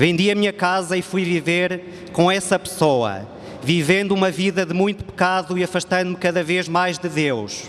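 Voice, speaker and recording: The speech moves at a moderate pace with fairly even intonation, and there is noticeable background noise. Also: man, high pitch for a man. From northern Portugal (Lamego / Douro area). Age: 30s. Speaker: retreat participant giving testimony. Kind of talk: testimony. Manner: reading from prepared text.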